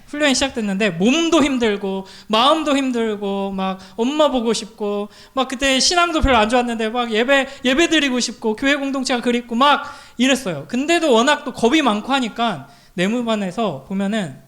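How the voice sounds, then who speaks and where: A man preaching to a youth group, telling a personal story in a lively way and acting out the voices of people in it. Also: very high voice. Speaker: pastor.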